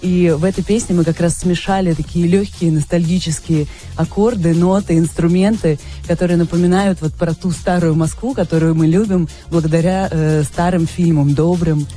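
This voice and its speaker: A woman with a mellow, rounded voice speaks softly and modestly as a guest in a radio studio. Her tone is gentle and a little shy, with faint music under it. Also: fairly low pitch, fairly even intonation, normal speed, few pauses. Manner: soft-spoken, modest, shy. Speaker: guest, singer and lyricist.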